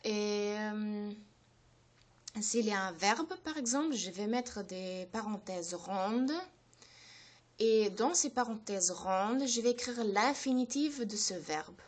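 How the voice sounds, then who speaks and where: German-native woman hosting a language channel, halting French with many fillers and restarts, slows down to stress key words. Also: medium pitch. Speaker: language-learning channel host. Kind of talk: unscripted explanation to camera.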